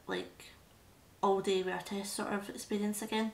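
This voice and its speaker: With a Scottish accent, a woman speaks at a medium pitch and a moderate pace in monotone, flat intonation. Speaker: beauty vlogger. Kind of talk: makeup tutorial. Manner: quieter than usual.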